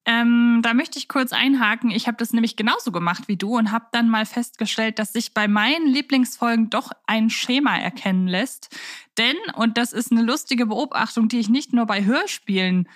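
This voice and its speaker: A woman's voice: on the high side, moderate pace, fairly bright tone, no echo. Woman hosting, dry close sound. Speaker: podcast co-host. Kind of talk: chatty fan podcast moderation.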